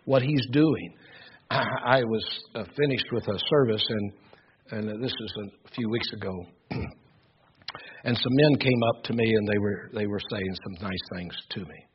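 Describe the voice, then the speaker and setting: An older man preaching a sermon with a loud voice, earnest and emphatic, often repeating words as he builds his points. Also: lowish voice, a little slow, slight background noise. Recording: dull lo-fi recording.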